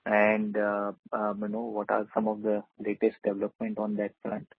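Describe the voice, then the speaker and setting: A man's voice: lowish voice, monotone, normal speed, slightly rough, dry recording. A man, an investment analyst asking a question on an earnings call in a hesitant way with many fillers. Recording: dry phone-line call audio.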